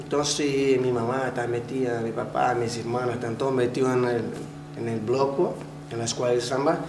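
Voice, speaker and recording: A man's voice: mid-range voice, steady tone, moderate pace, reverberant, noisy background. A man in his forties from Brazil, speaking Spanish as a second language with a Portuguese accent, answering interview questions hesitantly with frequent restarts. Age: 40s. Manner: hesitant, many restarts, laughs while telling stories. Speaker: interviewee, samba percussionist.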